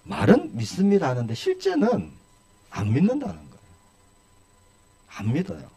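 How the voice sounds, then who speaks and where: Lively, mellow-voiced male pastor preaching. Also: on the high side, normal speed, creaky. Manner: asks the congregation many rhetorical questions. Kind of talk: sermon. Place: church.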